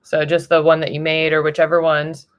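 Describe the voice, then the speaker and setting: A woman's voice: low voice, monotone, a little fast, lo-fi sound. A young woman presenting a casual tutorial, informal and instructive. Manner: informal, instructive, asks short questions.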